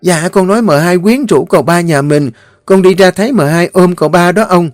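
A man voicing a scheming young female servant in a story, with a shrill, whiny voice. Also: fairly quick, no room sound, studio quality, soft background music, natural voice. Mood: accusing. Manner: loud accusing wails.

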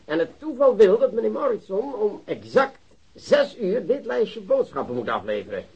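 An actor playing an excitable, self-satisfied police chief in a Dutch radio drama, pompous and commanding. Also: male voice, high-pitched, moderate pace. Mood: self-important. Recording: muffled radio drama recording.

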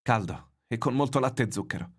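A man's voice: mid-range voice, animated, fairly quick, breathy edge, pitched above the performer's own voice. A man voicing a devoted young fisherman's boy in a read-aloud novel, lifting his voice to sound earnest.

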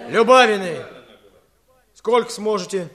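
A man's voice: sits high, expressive, a little slow, sharp tone, heavily acted. An actor playing an earnest village chairman who firmly coaxes and persuades peasants at a meeting in a radio play. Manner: persuasive, coaxing, firm. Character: earnest village chairman Kuzma, rural Soviet leader.

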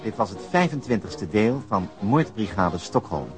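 A man announcing radio drama credits in a formal, measured, scripted style. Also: lowish voice, lively intonation. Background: music.

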